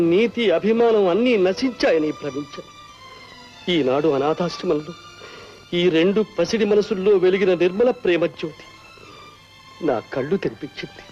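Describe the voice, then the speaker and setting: An actor as a deeply moved young master. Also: male voice, warm tone, natural voice. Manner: declamatory, emotional. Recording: dull old film soundtrack.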